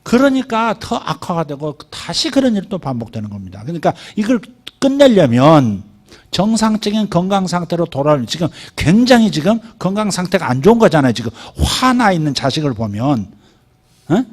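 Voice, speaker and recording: A middle-aged man preaching from the pulpit, his voice sitting a little high for a man. He is animated and lively, and he acts out the quoted speech of the people in his story with sudden jumps in pitch before dropping back to his everyday preaching voice. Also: brisk. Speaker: pastor. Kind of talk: sermon.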